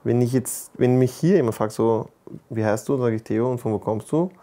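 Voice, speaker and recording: A man's voice: medium pitch, fairly quick, dark tone. A young man chatting casually in an interview, explaining himself through little examples. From Austria. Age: young adult. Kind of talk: casual chat, telling by example.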